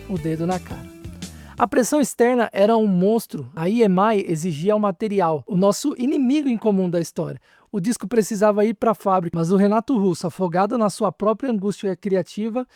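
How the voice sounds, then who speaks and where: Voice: medium pitch, darkish tone, no room sound. Dramatic narrator in a dry voice-over. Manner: dramatic, punchy storytelling. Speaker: documentary channel narrator. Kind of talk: scripted narration.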